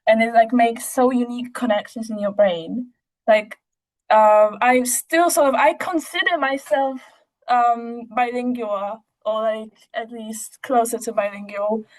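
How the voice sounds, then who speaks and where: High-voiced young woman chatting. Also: measured pace, rough recording. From Poland. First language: Polish. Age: young adult. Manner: chatty, informal, frequent asides. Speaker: interview guest, biochemistry student. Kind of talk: casual conversational interview answers.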